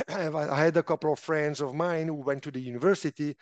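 A middle-aged man from Italian-speaking Switzerland, speaking English with a clear Italian accent. His voice sits a little high for a man, and he tells his story animatedly, with small restarts. The sound is dry and close. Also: fairly quick, no room sound. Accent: Swiss Italian. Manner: animated, slightly imperfect English, frequent restarts. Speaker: guest, finance official. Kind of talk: interview storytelling.

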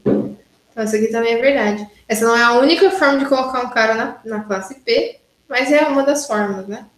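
On a low-quality, roomy recording, a woman lecturer with a voice on the high side runs a brisk online university class. She explains exercises step by step and checks in with students constantly, saying "né?" and "tá?"

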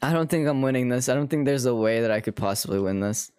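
A man's voice: medium pitch, fast talker, darkish tone, smooth. A young man streaming a game, chatting casually with a friend in a loose, joking, profane way. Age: teens. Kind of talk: casual gaming chat.

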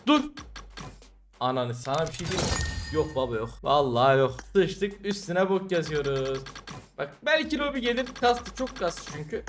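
A man's voice: a little high, very animated, normal speed. A young man commenting casually on a mobile game, exasperated and cursing at his bad luck. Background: music.

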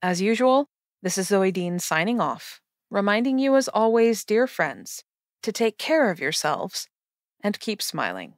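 A woman's voice: mid-range voice, sing-song, unhurried, no room sound, studio quality. A woman hosting a podcast, speaking in a scripted sign-off style. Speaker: podcast host.

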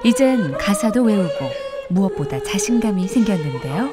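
A woman's voice: medium pitch, very animated, moderate pace. A woman reading scripted documentary narration. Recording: prominent music behind voice-over.

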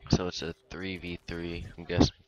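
A young man in casual gameplay commentary, talking in a monotone with mumbled asides, close to the mic. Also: deep voice, normal speed. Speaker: gaming YouTuber.

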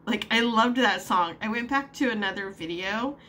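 This casual vlog chat features a woman with a somewhat high, bright, forceful voice at a moderate pace. Filming from home, she rambles through her frustrations, full of fillers and little laughs.

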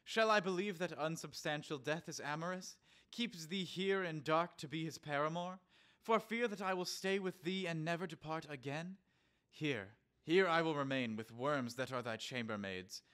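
A man playing an earnest high-school Romeo, declaiming grandly in theatrical Shakespearean style for an audio drama. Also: normal speed, a bit bright, close to an everyday voice. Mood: grieving.

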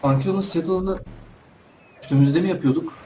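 A man's voice: a little high, brisk, mellow, a little hiss or hum. A young man giving casual let's play commentary from home, chatting to himself and the animals in the game. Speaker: gaming YouTuber.

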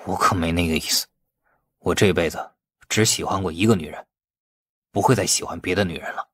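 A man's voice: sits low, brisk, fairly bright tone, breathy edge, no echo, studio quality, pitched below the performer's own voice. A man voicing a naive, impulsive grown son in an audiobook, blunt and wide-eyed in manner. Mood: sheepish. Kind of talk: audiobook character acting.

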